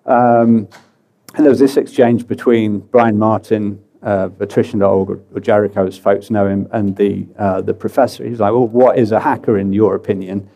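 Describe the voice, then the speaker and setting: Casting: British man, conference speaker, low-pitched and mellow, loose and chatty with plenty of "uh"s. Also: normal speed, creaky. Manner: relaxed, chatty, many fillers and self-deprecating asides. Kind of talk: presenting a conference talk. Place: conference hall.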